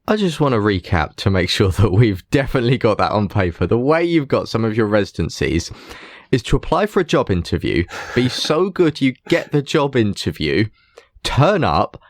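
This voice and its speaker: Man, podcast host, playful and teasing, animated pitch, dry sound. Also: normal speed, no room sound. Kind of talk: casual podcast interview.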